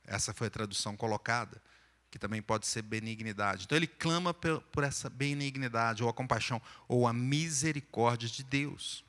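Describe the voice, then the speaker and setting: A Brazilian pastor delivers a sermon with a bright, forceful voice. His words carry a long reverb through the church hall. He talks in a relaxed, explanatory manner. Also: mid-range voice, normal speed. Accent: Brazilian Portuguese. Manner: sings and chants psalm verses, then explains them plainly. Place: church sanctuary.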